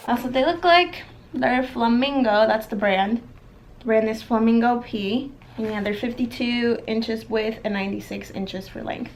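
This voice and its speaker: There's background noise as a young woman, her voice a little high and fairly even in intonation, talks a bit slowly through a casual product review. She's a vlogger filming at home in the bedroom and on the stairs, speaking directly to viewers as "guys" and peppering her chatter with ums and likes.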